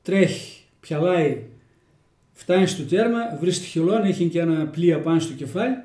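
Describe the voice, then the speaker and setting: A man's voice: fairly high pitch, lively intonation, warm tone. A man with a Kozani accent telling folk tales in a homely, folksy way, often restarting his sentences. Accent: Kozani Greek dialect. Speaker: storyteller interviewee. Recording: roomy echoey room.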